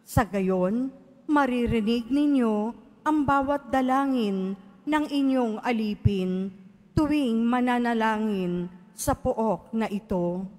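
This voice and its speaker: A woman reading scripture aloud as lector at a church service, in a measured, solemn way. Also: fairly high pitch, a little mellow. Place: large church. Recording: long church reverb.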